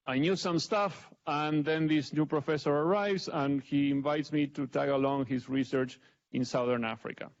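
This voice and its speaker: A middle-aged man with an Argentine accent speaks to a panel audience in a relaxed, self-mocking way. His voice has a gravelly edge. The recording sounds dull and lo-fi. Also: fairly high pitch. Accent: Argentine Spanish. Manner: self-deprecating, conversational. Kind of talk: public talk with slides.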